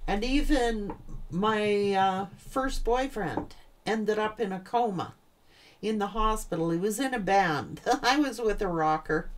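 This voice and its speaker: Here is a woman with a normal speaking voice at medium pitch. She talks at a fairly slow pace with ordinary pitch variation. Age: 60s. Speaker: tarot reader. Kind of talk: tarot reading monologue. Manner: casual, conversational.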